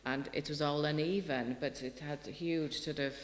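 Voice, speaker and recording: A middle-aged Welsh poet with a Welsh accent gives an earnest festival talk and reads her poetry in a hall with roomy reverb and slight background noise. Her low-pitched voice stays steady at a moderate pace, and she often restarts her sentences.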